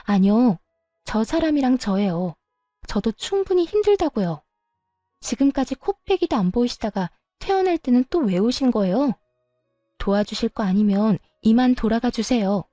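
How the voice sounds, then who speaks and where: A fed-up young wife answers back, firm and exasperated, as a woman reads her in a storybook. Her voice is mellow and the sound close and dry. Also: fairly high pitch, expressive, normal speed, no room sound, faint music behind, lightly acted.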